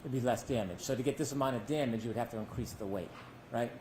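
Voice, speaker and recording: A man's voice: medium pitch, quick pace, warm tone, slight background noise, rough recording. Man cross-examining in a courtroom recording. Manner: pointed leading questions with tag endings. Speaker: defense attorney.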